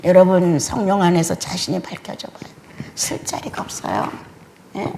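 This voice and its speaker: An older woman preaching a sermon, swinging between loud exclamations and hushed whispers. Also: lowish voice, normal speed, creaky, slight background noise. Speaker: pastor.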